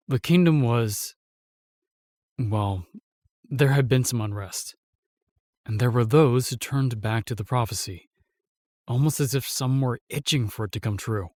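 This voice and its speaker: A man playing a solemn, remorseful knight in a fantasy audio drama, telling things in a halting, weighty way. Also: medium pitch, darkish tone, dry recording, clean studio sound, close to an everyday voice. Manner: halting, weighty storytelling with sighs and pauses. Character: solemn, remorseful knight, sworn protector of the realm.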